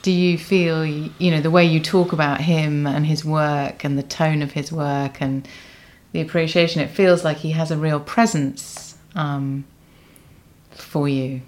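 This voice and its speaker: A woman with a notably low voice leads a literary conversation. She is reflective and tentative, often searching for the phrasing of her question or thought as she goes. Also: fairly even intonation, measured pace, a little mellow. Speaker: interviewer.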